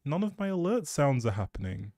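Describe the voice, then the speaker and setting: A man's voice: mid-range voice, big pitch swings, a little fast, warm tone, dry recording. A man hosting a livestream, rambling casually and chattily, often breaking off mid-thought, speaking close to the mic. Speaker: live streamer, host.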